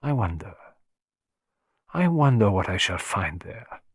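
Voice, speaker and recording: A man's voice: lowish voice, sing-song, measured pace, husky, dry recording, studio quality, heavily acted. A man voicing a vain, fussy little male detective who speaks in a courtly, self-satisfied and precise way. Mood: musing.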